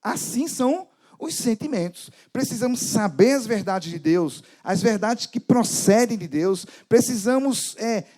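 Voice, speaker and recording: A man preaching a sermon as pastor, dramatic, with sudden soft drops in his voice. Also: sits high, expressive, measured pace.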